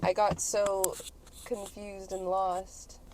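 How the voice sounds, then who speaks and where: Woman podcast host chatting casual n playful, mid pitch, car noise behind her. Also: level tone, slow pace, a little mellow, low-quality recording. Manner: playful, slangy, swears casually. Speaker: podcast host and ASMR creator. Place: inside a car on the road. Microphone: podcast microphones, portable. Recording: clear car and road noise.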